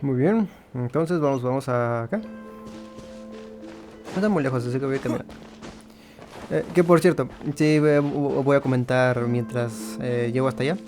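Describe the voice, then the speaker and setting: A male gaming host commenting casually as he plays. He has a medium-pitched voice and a halting, thinking-aloud delivery, with faint music in the background. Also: a little mellow. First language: Spanish. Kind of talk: casual let's-play commentary.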